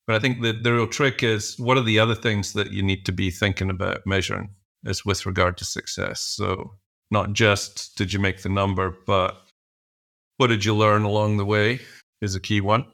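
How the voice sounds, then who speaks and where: Guest: middle-aged man, low register, reflective, halting, lots of restarts. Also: level tone, gravelly, fairly bright tone. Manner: thoughtful, halting, frequent restarts and fillers. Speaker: podcast guest, executive coach. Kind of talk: conversational interview answers.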